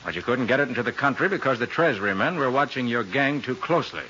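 An actor playing a cool, quick-witted private detective with a clipped, wisecracking manner in a 1940s radio crime drama. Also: male voice, medium pitch, expressive, sharp tone. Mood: defiant. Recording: muffled, hissy old radio recording.

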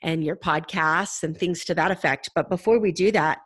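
A woman's voice: on the low side, moderate pace, slightly rough, no room sound. Upbeat woman podcast host, dry sound. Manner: upbeat, chatty. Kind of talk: casual interview.

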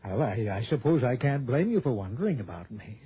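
A man's voice: medium pitch, sing-song, fairly quick, breathy edge. An actor playing an elderly male country doctor who hesitates and stammers, in a 1960s radio drama. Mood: defensive. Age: older. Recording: tinny old radio broadcast.

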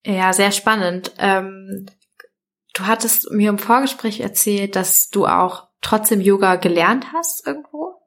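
A woman co-hosting a podcast, who speaks to listeners casually with brief fillers. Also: mid-range voice. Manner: relaxed and brisk, with fillers. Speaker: podcast co-host.

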